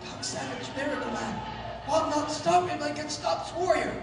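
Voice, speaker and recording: A man acting a wary, excitable tribal king in a 1930s-style pulp radio drama. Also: very high-pitched, normal speed, creaky, over music. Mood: awed, alarmed. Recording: noisy, very echoey, distant hall.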